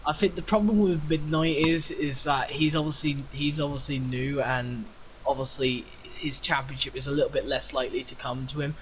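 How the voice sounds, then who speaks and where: A man's voice: medium pitch, fairly even intonation, moderate pace, hardly any pauses, a little hiss or hum, poor audio. A man hosting a casual racing podcast, chatty and teasing, laughing often. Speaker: podcast host.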